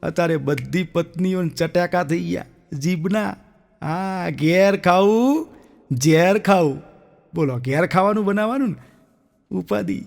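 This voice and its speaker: A man telling stand-up jokes with a slow, half-sung delivery. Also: high voice, creaky, darkish tone, big-room sound. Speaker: stand-up comedian.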